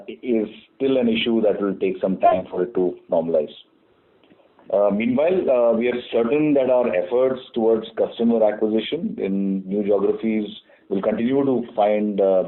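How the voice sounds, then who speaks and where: Low-voiced halting man on a phone line. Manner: halting, formal, frequent uh. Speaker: company executive presenting quarterly results. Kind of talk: prepared business report on a conference call. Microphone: telephone conference call. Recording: muffled narrow-band phone line.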